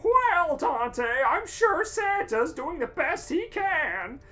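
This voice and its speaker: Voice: very high voice, sing-song, takes it slowly, bright, forceful tone, voice pushed up, heavily acted. A podcast reader voicing a small, earnest cartoon fairy from a comic fan story. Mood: earnest, fretting. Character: squeaky little fairy couple from a cartoon fanfic.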